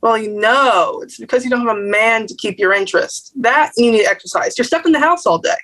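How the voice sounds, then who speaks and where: A woman's voice: fairly high pitch, brisk, a bit bright, low-quality recording. A woman reading the part of a nagging middle-aged Jewish mother at a table read. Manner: nagging, blunt.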